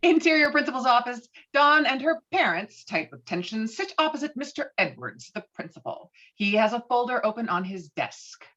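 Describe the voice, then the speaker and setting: Lady narrating a screenplay, lively pitch, slightly lo-fi sound. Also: a little fast, hardly any pauses. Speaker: stage directions narrator.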